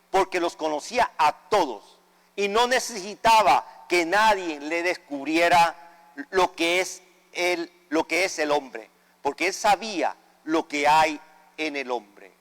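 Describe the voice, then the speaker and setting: A man reads scripture as a priest at Mass in a fairly high voice. His delivery is solemn, with the odd stumble and correction. Long cathedral-like reverberation trails each phrase in the big church. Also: a bit bright. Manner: solemn proclamation with occasional stumbles and self-corrections. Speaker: Catholic priest celebrating Mass. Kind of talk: liturgical Gospel reading.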